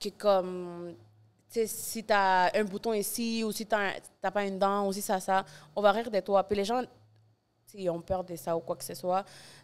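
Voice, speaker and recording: This woman talks at a moderate pace with a Mexican accent, her voice at a medium pitch and her intonation fairly even. She leaves long, frequent pauses, her loudness swings a lot, and the recording is very clean with a silent background. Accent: Mexican Spanish accent in French, noticeable. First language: Spanish (speaking French). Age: 20s. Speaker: restaurant owner, entrepreneur. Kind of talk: casual chat.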